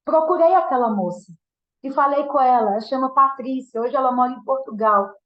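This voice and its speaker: A woman's voice: high-pitched, fairly quick. A woman from giving an earnest, emotional testimony sermon, often restarting her sentences. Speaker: guest minister giving a testimony. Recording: roomy, dull church sound.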